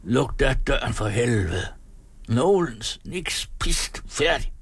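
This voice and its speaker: A man voicing a gruff, drowsy red-bearded laborer who drinks and barks orders, with a rusty, grating voice. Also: mid-range voice, big pitch swings, pitched above the performer's own voice. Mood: bossy. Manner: bossy, barking orders.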